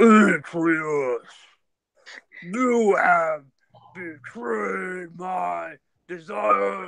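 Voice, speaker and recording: In a loud, put-on character voice, a man speaks very slowly at a high pitch with very wide pitch swings and long, frequent pauses. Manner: commanding.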